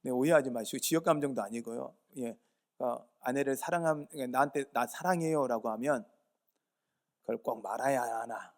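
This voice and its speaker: The speaker is a man, a pastor from Yeosu, South Korea, giving a sermon at a church service in a darkish, mid-range voice at normal speed. His manner is earnest and urging as he exhorts the congregation and answers the rhetorical questions he raises.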